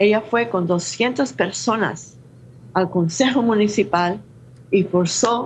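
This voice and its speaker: A woman at a fairly slow pace, with lively intonation. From New Mexico, US. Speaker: presidential candidate, activist. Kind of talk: interview.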